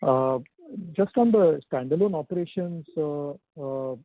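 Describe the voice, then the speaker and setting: A man's voice: a little high, unhurried, no room sound. A man with an Indian accent asking questions as a financial analyst on an earnings call, politely and with some hesitation. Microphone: phone. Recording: dry, narrow phone line.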